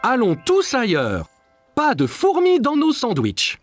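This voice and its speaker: A man's voice: very high voice, wildly swooping pitch, a little slow, soft background music, exaggerated voice. An actor voicing a kind, reassuring father in a cartoon, explaining things patiently. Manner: gentle, explaining rules patiently.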